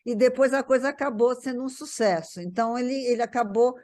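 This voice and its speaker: An older woman reminiscing in casual conversation, haltingly, often repeating words as she searches for phrasing. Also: fairly high pitch, a little mellow. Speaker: guest recalling a parent's life.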